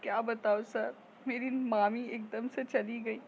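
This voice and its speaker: A woman's voice: on the high side, little pitch movement, measured pace, creaky, a little mellow, muffled recording, a little hiss or hum. A woman voicing a young woman student, grieving yet defiant and teasing, in a storytelling podcast. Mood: pleading sad. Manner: pleading, then defensive and teasing.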